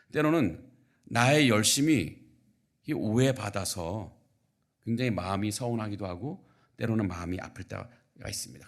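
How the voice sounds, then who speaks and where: A middle-aged male pastor delivers a sermon with a fairly low voice. He speaks in an earnest, measured way. He leans into key phrases and lets his sentence endings fall quiet. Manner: earnest, measured preaching with rising emphasis and soft low endings. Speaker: senior pastor.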